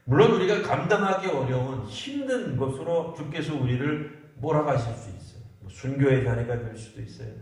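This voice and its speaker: A man's voice: mid-range voice, expressive, moderate pace, hardly any pauses. A male pastor giving a sermon at a Friday prayer meeting, speaking conversationally and posing rhetorical questions to the congregation. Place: church sanctuary. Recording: echoey church hall, mic at a distance.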